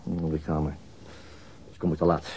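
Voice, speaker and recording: A man's voice: a bass voice, monotone, moderate pace, darkish tone, muffled recording, slight background noise. An actor playing a weary, stubborn policeman grumbling sullenly and contrarily at home in a radio drama. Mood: sour.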